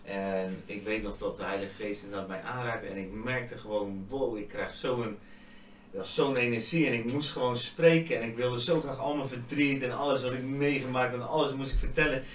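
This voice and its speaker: A man co-hosting a faith podcast, earnestly explaining scripture in a casual way and getting animated when he quotes. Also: medium pitch, moderate pace. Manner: earnest, animated when quoting, speaks in tongues at times. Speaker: podcast co-host. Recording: roomy echo, distant from mic, faint noise.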